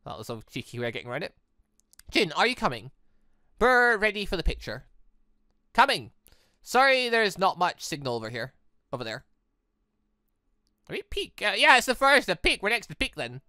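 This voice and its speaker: Young woman, game streamer, bright and very animated, dry close mic over faint music. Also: mid-range voice, normal speed, pauses often, no echo. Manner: chatty, animated, reads character lines in her own voice. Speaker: let's play streamer. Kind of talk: reading a visual novel aloud and reacting.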